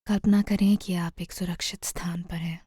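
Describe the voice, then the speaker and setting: A woman narrating a guided meditation in a soothing, gentle manner, often trailing off into a near-whisper. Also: lowish voice, level tone, normal speed, breathy edge, no echo, clean studio sound.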